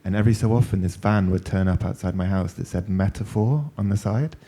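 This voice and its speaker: Low, dark-voiced male moderator. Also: brisk. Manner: thoughtful, storytelling, loose phrasing. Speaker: panel moderator. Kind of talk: panel discussion. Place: panel event.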